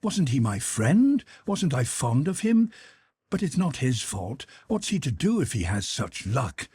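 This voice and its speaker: A man's voice: medium pitch, very animated, unhurried, a little mellow, breathy edge, dry recording, clean studio sound, pitched above the performer's own voice, full character voice. A man reading the part of a young nobleman gambler, proud but desperate, questioning himself in anxious, pleading inner talk. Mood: anguished.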